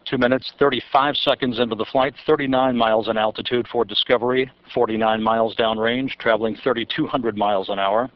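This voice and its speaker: A man giving live launch commentary from mission control, reading flight figures in a steady, measured way. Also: mid-range voice, no room sound. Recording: dull broadcast audio.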